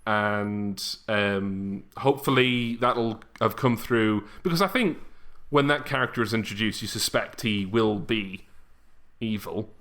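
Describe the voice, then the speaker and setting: A man's voice: lowish voice, unhurried, fairly bright tone. A man hosting a podcast, chatting casually as he interviews a guest. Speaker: podcast host.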